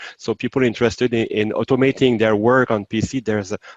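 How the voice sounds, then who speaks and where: A man with a fairly low pitch, dry sound with no echo, and a quiet background. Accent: French. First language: French. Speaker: software developer; software developer in an interview. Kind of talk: casual interview and software demo. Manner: halting, searching for words. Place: home room. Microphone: webcam.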